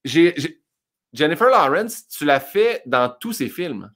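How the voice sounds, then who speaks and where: A man's voice: fairly high pitch, sing-song, slow, a bit bright. A man with a Québécois French accent hosting a casual podcast interview, playful and slangy and swearing for emphasis. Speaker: podcast host.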